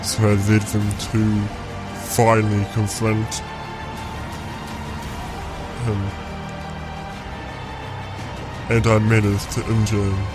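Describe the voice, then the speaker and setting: A man playing a vengeful clone villain in an audio roleplay, telling his story in a deliberate, gloating, theatrical way. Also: fairly low pitch, monotone, lightly acted. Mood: cold, vengeful. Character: vengeful male clone villain plotting to destroy a reality. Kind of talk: scripted audio roleplay monologue. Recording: music behind the voice.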